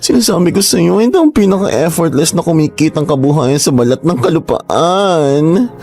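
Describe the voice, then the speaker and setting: A man's voice: a little high, lively intonation, normal speed, darkish tone, faint music behind. A man playing a flamboyant, scheming young gay man who is boastful and playful, with a campy, teasing, theatrical delivery. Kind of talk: radio drama acting.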